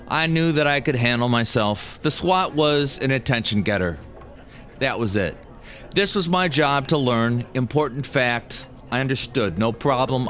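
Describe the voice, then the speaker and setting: A man's voice: mid-range voice, a bit bright. An American man telling a personal story as scripted first-person narration. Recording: music behind the voice.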